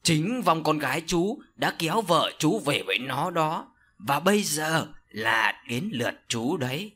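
A man voicing an older village sorcerer who speaks slowly and solemnly in an audio story. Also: on the high side, big pitch swings, sharp tone, full character voice. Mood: grave. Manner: slow, solemn, scolding. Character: older male village sorcerer, stern and grave.

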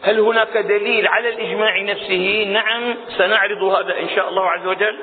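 A man teaches a religious lesson, explaining each point step by step and putting rhetorical questions to his listeners. His voice sits high. The recording is thin and tinny and carries a long hall echo. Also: steady tone, quick pace, background noise. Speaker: Islamic scholar teaching a creed text. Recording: tinny phone-like sound in a reverberant hall.

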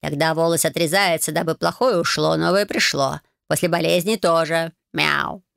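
A woman voicing a wise, grumpy magic tomcat who lectures slowly, drawing out his words and purring and meowing between them. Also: sits low, steady tone, gravelly, a bit bright, smooth, dry recording, studio quality. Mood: lecturing. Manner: slow, drawn-out, lecturing, purrs and meows. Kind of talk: audiobook character voice.

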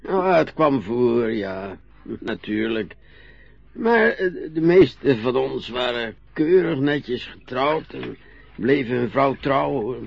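An older man with a Dutch accent, playing a retired merchant navy captain in a radio play, reminiscing slowly with a husky, chuckling voice. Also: medium pitch, expressive, lo-fi sound, heavily acted. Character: old retired sea captain, modest and a bit vain.

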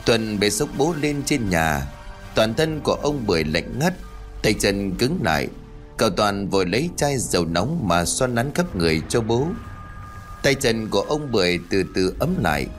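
Low, expressive male storyteller. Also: normal speed. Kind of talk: scripted story narration. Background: faint background music.

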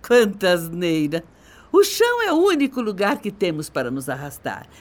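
Scornful, dramatic Brazilian wife, swooping intonation. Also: female voice, fairly low pitch, wildly swooping pitch, normal speed. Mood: mocking, scornful. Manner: haughty, mocking, theatrical. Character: bitter, scornful middle-aged wife leaving her husband. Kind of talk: radio soap opera acting.

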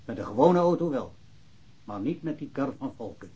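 An actor playing a plain-spoken, doubting colleague of police detectives in a radio play. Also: male voice, mid-range voice, animated, normal speed, mellow, breathy edge. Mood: measured, doubtful. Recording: muffled radio play recording, faint music.

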